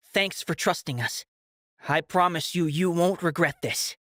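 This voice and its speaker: Growling in a cartoonish character voice at a middle pitch, the speaker is heard on a very clean recording with a silent background. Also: moderate pace. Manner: earnest.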